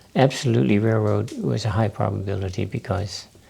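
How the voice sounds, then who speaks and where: Over noticeable background noise, a man talks at a moderate pace with a fairly low pitch and ordinary pitch variation. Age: 70s. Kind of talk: interview.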